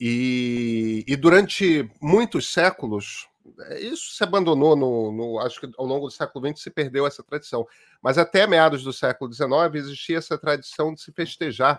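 Speaking at a fairly slow pace, a man has an ordinary speaking voice with a fairly high pitch and ordinary pitch variation, in a very clean recording with a silent background. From Brazil. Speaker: podcast host, editor-in-chief. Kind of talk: interview.

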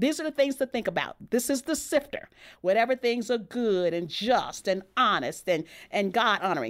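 Against a silent background in a very clean recording, a woman with an unremarkable speaking voice talks at a moderate pace, her fairly high pitch carrying lively intonation. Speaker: Bible teacher and author. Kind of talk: interview conversation about faith.

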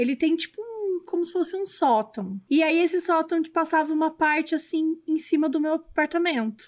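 A woman's extremely high voice at a moderate pace, with ordinary pitch variation and hardly any pauses. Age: 30s. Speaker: podcast host. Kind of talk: casual chat. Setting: video call.

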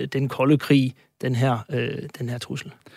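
The sound is dry and close, with no echo. A man talks at a medium pitch and a fairly slow pace with fairly even intonation. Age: 40s. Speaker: university lecturer, historian. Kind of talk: radio interview. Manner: hesitant, many filler sounds.

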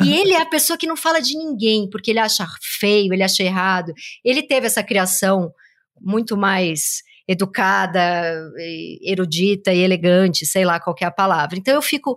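A woman speaks at a very even loudness on a very clean recording with a silent background. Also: medium pitch for a woman, lively intonation, moderate pace. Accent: São Paulo. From Brazil, São Paulo (Zona Leste). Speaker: writer and columnist. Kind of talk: casual interview chat.

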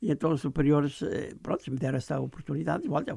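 A man with a fairly high pitch and a dark, mellow tone talks at a very fast pace with vocal fry, recorded with a dry, close sound and no echo. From Portugal, Aveiro; emigrated to southern Brazil at 15. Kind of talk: radio interview.

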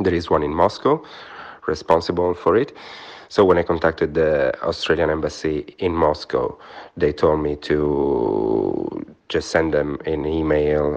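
A man speaks at a fairly slow pace. He has an Italian accent. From Italy. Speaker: restaurateur. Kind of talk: interview. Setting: phone call.

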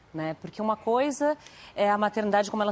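At a fairly quick pace, a woman talks in a normal speaking voice at medium pitch. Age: 20s. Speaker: health journalist. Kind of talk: studio talk show discussion. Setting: studio with audience.

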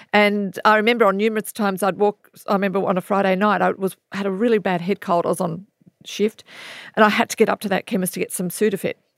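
Woman with an Australian accent, medium pitch, very fast pace and monotone, flat intonation, in a dry, close sound with no echo on a very clean recording with a silent background. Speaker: retired police superintendent. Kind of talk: interview.

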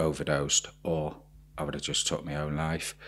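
A man speaks with a Birmingham accent in a very deep, low pitch. His tone is bright and sharp, and his intonation is monotone and flat. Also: very clean recording, silent background. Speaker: fitness trainer and mentor. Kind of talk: casual interview.

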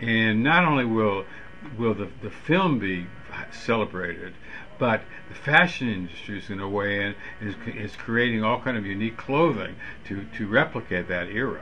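Against noticeable background noise, a man with an American accent and a fairly low pitch speaks with lively intonation. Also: moderate pace. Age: 80s+. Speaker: author and biographer. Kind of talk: radio interview. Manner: halting.

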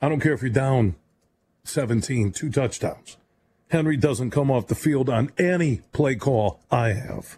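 At a fairly slow pace, a man talks at medium pitch in a dark, mellow, somewhat breathy tone, with ordinary pitch variation. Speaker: sports radio host. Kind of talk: sports talk radio. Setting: radio studio. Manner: balanced, not overly animated.

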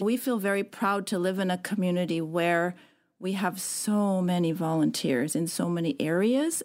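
A woman's plain, everyday voice at a medium pitch with a Canadian accent, ordinary pitch variation and a moderate pace, on a very clean recording with a silent background. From Canada, Winnipeg. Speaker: retired track and field coach. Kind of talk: interview.

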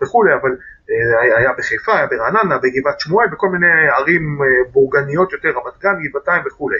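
The man's loudness stays very even as he talks at a moderate pace. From Israel, Jerusalem. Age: 40s. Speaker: journalist. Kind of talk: interview.

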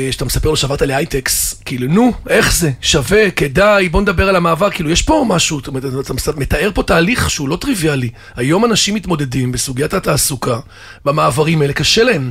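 With music in the background, a man with a fairly high pitch speaks using lively intonation. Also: fairly quick pace. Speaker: podcast host. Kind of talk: interview. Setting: studio.

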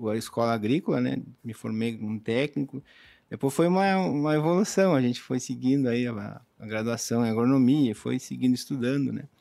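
In a very clean recording with a silent background, a man with a dark, mellow tone speaks at medium pitch and a moderate pace. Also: ordinary pitch variation. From southern Brazil, Pelotas (Rio Grande do Sul). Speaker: agronomist, seed researcher. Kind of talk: interview conversation. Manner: halting, repeats words.

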